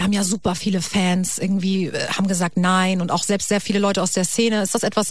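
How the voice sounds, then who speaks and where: A woman talks at a very fast pace with hardly any pauses, her loudness very even. Her voice is somewhat breathy. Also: medium pitch for a woman. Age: 20s. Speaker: radio host. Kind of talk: casual chat. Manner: animated.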